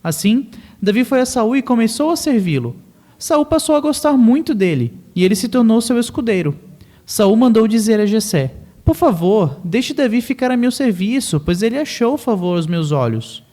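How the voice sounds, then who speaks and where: A man with a high voice but a dark, mellow tone reads scripture aloud at a congregation meeting. He keeps a steady, careful pace. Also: normal speed. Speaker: congregation member reading scripture. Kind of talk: reading aloud from the Bible.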